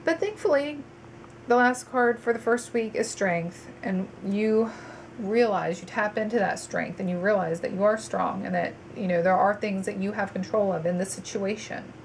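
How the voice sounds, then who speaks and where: Speaking at normal speed in a creaky, mid-range voice, a woman reads tarot for her viewers while stuffed up with a cold. She is chatty, with lots of ums and restarts, and the poor recording has a slight hiss or hum.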